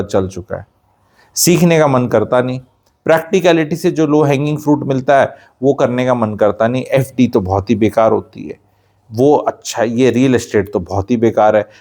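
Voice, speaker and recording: A man's voice: mid-range voice, normal speed, a little mellow. A man from Haryana, hosting a real estate channel, giving a blunt, sarcastic, lecturing monologue full of rhetorical questions. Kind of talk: opinionated monologue, mixing Hindi and English.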